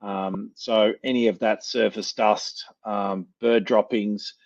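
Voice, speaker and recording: A man with an Australian accent presenting in a webinar and answering questions, often pausing with ums and repeating words as he explains. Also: fairly low pitch, steady tone, highs cut off. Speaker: company presenter.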